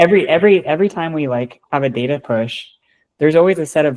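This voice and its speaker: A woman speaks very fast with a Californian accent. Her tone is dark and mellow. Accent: Californian American English. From California, Orange County. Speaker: tech startup founder. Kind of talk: interview podcast.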